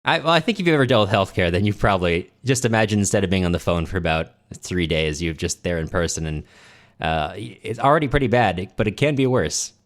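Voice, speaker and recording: Low-voiced man chatting casually. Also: animated, fast. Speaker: podcast co-host. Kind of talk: casual book discussion chat.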